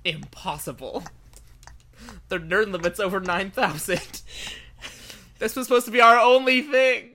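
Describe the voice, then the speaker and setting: A woman's voice: medium pitch, measured pace, pauses often, a bit bright. A woman co-hosting a casual podcast, teasing the others with wry jokes. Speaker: podcast co-host. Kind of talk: casual chat.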